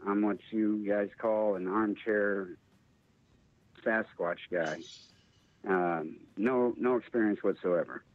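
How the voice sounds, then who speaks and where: A man's voice: lowish voice, slow, no room sound. A man from the United States, an interview guest giving a casual, hesitant personal account over a phone-like connection. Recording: thin phone-line sound.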